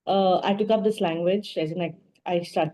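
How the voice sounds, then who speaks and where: A woman's voice: on the low side, fairly even intonation, moderate pace, dark tone. A woman from Goa with a Goan Indian English accent, answering as a teacher in an interview, often repeating and rephrasing her words. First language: Portuguese and Konkani. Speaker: language teacher, interview guest.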